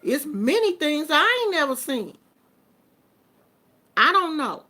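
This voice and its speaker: Casting: woman in her fifties, relaxed and chatty host talking straight to viewers. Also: high-pitched, slow. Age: 50s. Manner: chatty and informal, with colloquial phrasing. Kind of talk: casual live chat with viewers.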